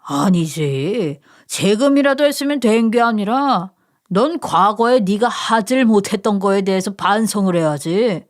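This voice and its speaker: A woman's voice: mid-range voice, animated, measured pace, lightly acted. A woman voicing a condescending older brother who scolds and sneers in a radio story. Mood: contemptuous.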